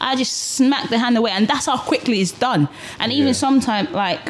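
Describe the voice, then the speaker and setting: Noticeable background noise runs under this woman's voice. Her pitch is fairly high and her intonation lively. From Nigeria. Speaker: podcast co-host. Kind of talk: casual chat. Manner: chatty, joking.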